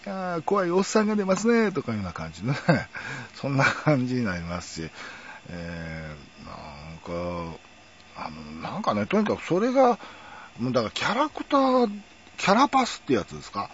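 A middle-aged man with a Kansai accent rambles through a casual monologue, his low voice swooping up and down. He drifts between thoughts and chuckles as he goes. The recording sounds dull and lo-fi. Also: sing-song, normal speed, fairly bright tone, slight background noise. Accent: Kansai Japanese. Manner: rambling, reminiscing, chuckling asides.

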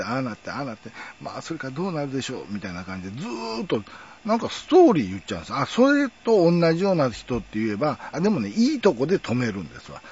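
A man's voice: medium pitch, a little hiss or hum. A middle-aged man with a Kansai accent, reminiscing in a rambling casual monologue with chuckling asides. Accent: Kansai Japanese. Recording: dull lo-fi recording.

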